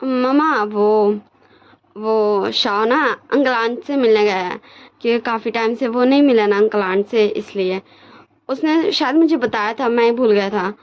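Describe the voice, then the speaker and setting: A woman's voice: fairly high pitch, a little slow, natural voice. A woman voicing a worried young male college student who frets about his brother, in a lo-fi recording. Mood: scolding.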